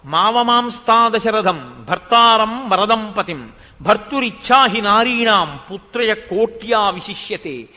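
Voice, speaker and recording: A furious old minister rebuking a queen with forceful, loud lines and chanted verses, as a preacher plays him. The tone is bright and sharp, and it echoes in a long hall reverb. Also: sits high, lively intonation, moderate pace. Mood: angry. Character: angry old royal minister scolding a queen.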